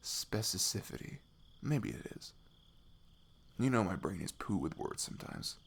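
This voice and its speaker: Soft, low-pitched, creaky man acting a tender best friend. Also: very animated, full character voice. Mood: playful, unsure. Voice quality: soft, breathy, often dropping to a whisper. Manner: hesitant, halting, chatty and tender. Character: sweet, nerdy male best friend, shyly affectionate. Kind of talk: intimate ASMR roleplay, soft improvised-sounding talk.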